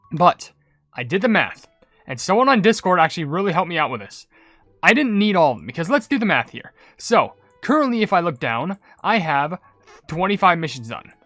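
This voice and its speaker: A man giving excited, casual game commentary in a rambling, emphatic way as a video creator. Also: high voice, dry recording.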